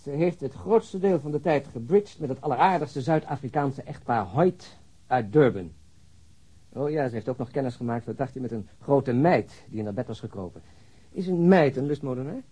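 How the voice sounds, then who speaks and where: Tired sarcastic cop in a radio play, mellow husky voice, dry mockery. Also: male voice, mid-range voice, expressive, moderate pace. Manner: sardonic, mocking. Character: weary, sarcastic male police detective, needling his colleagues. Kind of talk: Dutch radio crime drama acting.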